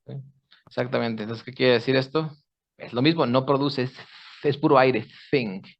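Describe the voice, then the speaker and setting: A man's voice: mid-range voice, moderate pace, gravelly. A man teaches pronunciation in an online class, walking his students through each sound step by step. He checks in with them often. The audio is a bit dull and lo-fi, like a video call. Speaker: English teacher.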